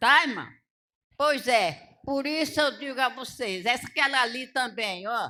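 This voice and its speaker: In a raised, projected voice, a woman speaks fairly slowly at a high pitch with a bright, sharp tone. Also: ordinary pitch variation. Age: 80s+. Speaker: elderly church member honored by family. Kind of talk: testimony. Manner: halting.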